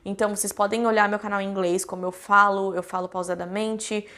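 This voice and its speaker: A woman's voice: mid-range voice, level tone, a little fast, sharp tone. A young woman from Brazil, a cruise ship crew member, chatting casually and directly to her viewers with lots of fillers.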